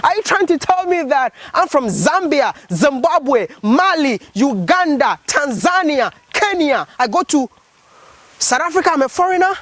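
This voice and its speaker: Impassioned high-voiced man vlogging outdoors. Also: very animated, moderate pace, fairly bright tone, poor audio. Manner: earnest, repeats rhetorical questions. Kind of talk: impassioned vlog commentary.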